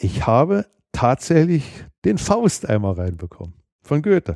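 On a very clean recording with a silent background, the speaker goes at a very slow pace with very wide pitch swings. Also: man. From eastern Germany, Brandenburg (Wittenberge). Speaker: former political prisoner. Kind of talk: testimony.

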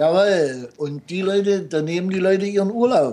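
The man's voice is high, with ordinary pitch variation. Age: 60s. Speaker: retired electronics instructor for youth. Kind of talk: interview. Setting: Skype call.

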